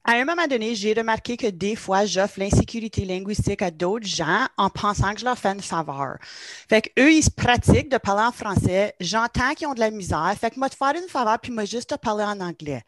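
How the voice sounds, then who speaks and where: A woman with a Franco-Ontarian French accent, telling personal stories on a panel in an animated way and slipping in English phrases. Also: medium pitch, a little fast, no echo. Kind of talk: casual panel discussion.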